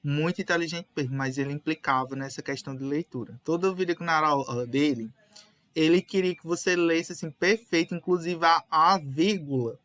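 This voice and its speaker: A man's voice: fairly high pitch, normal speed, a bit bright, dry recording. A young man explaining a lesson casually and patiently, correcting readers and dropping lots of fillers. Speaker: teacher leading a reading session.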